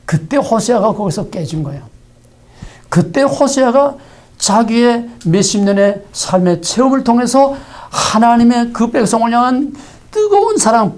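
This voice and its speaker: A man's voice: very high-pitched, a little mellow. Emphatic Korean-language male preacher. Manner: emphatic, repetitive, rhetorical questions to listeners. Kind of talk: sermon.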